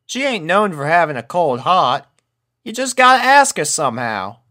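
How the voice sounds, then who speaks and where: No-nonsense country mare for a storybook, raised pitch, bright, folksy drawl, acted by a man. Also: sing-song, normal speed. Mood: soothing.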